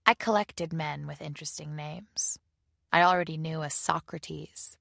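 Low, gravelly woman reading an audiobook. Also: a little slow, a bit bright, no room sound, clean studio sound. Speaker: audiobook reader. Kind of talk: audiobook narration.

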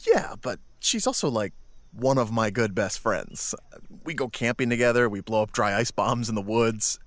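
A man acts out a sweet, goofy guy in a comedic podcast drama. He talks casually and sincerely, his pitch swooping about in a dry close recording. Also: animated, normal speed, dry recording, natural voice. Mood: earnest. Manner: casual, sincere, boyish enthusiasm. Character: earnest, goofy, sweet-natured man, a doting uncle. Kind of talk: comedic audio drama acting.

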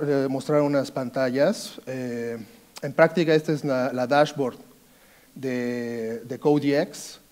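A man with an Italian accent giving a conference talk on a dark stage, hesitant, with many fillers and restarts. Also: a little high. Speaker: conference speaker, sales engineer. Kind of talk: conference presentation.

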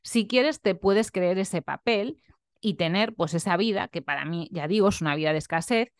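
Recorded with studio quality and no echo, this young woman, a nutritionist and vlogger, reflects candidly on personal matters and frequently ends lines with tag questions. She has a lowish voice and a moderate pace.

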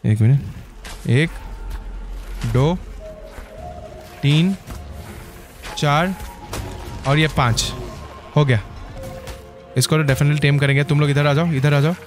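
A man hosting his gaming channel, giving excitable gameplay commentary and calling out to his viewers constantly. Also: fairly high pitch, slow, pauses often, faint music behind. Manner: excitable, keeps saying "guys".

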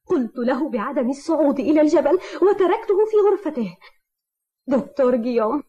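A woman's voice: sits high, animated, brisk, mellow. A woman voicing a worried, headstrong young woman in an Arabic cartoon dub, speaking urgently and pointedly. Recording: dull old TV dub soundtrack.

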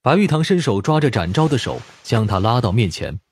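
Audiobook narrator, male, dramatic scripted delivery, breathy edge, widely moving pitch. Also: big pitch swings, brisk.

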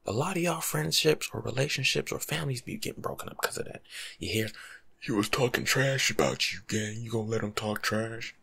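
A young American man giving rambling, slangy ASMR life advice in a hushed, breathy voice, playful and animated, close to the mic in a room at home. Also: mid-range voice, a little fast. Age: young adult. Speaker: ASMR video creator. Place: small indoor room at home.

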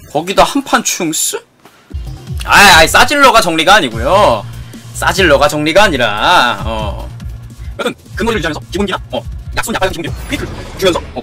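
High, lively man swearing at a game. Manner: excitable, swears at the game, repeats phrases. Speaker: game streamer. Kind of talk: fighting game tutorial commentary. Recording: music playing behind.

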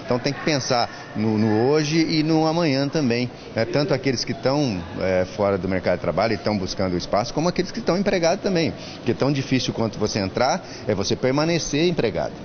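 A man's voice: mid-range voice, expressive, fast talker, few pauses, crowd noise. A man in his fifties, interviewed on camera at an indoor school fair, talking earnestly and giving advice, with many restarts. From Brazil. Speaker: school staff member interviewed. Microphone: handheld mic held by interviewer. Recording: lo-fi with clear background noise.

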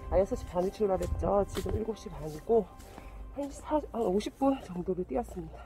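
A woman's voice: medium pitch, brisk, music in the background. A woman vlogger chatting casually to her viewers outdoors, speaking through a face mask into a handheld phone. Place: outdoors, high above a city at dawn.

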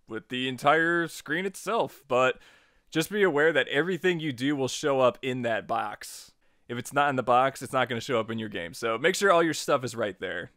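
A man narrating a casual software tutorial as its host, in an informal, jokey and playfully emphatic way. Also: mid-range voice, no room sound, studio quality. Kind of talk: casual tutorial narration over screen recording.

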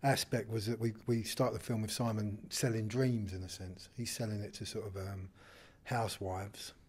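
A man's voice: fairly low pitch, fairly even intonation, normal speed, darkish tone, breathy edge. A man answering thoughtfully with frequent ums as a guest in a festival press-room interview, speaking into a handheld mic. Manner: thoughtful, hesitant with many ums. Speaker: actor being interviewed. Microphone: handheld mic held by interviewer.

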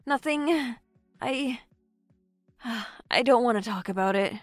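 A woman's voice: a little high, takes it slowly, no room sound, clean studio sound, faint music behind. An actress playing an anxious, earnest young woman in an audio drama. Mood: downcast.

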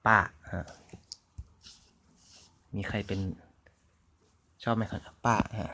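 A man with a Thai accent giving a relaxed, chatty language lesson, repeating sounds as he writes them out. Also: slight background noise. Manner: slow, chatty, repeating sounds while writing on a board. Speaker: language teacher. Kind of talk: casual online language lesson.

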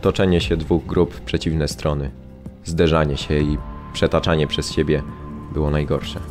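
Very deep-voiced male camp survivor. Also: flat delivery, moderate pace, over music. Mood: somber. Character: male camp survivor recalling unbearable punishment. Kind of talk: dramatised documentary narration.

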